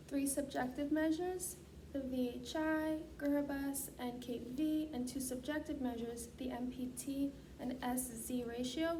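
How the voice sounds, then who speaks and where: A woman with a high voice speaks as a clinician, formally reading out procedural instructions. She is picked up from some distance from the mic, with clear noise in the recording. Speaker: student clinician giving a voice assessment.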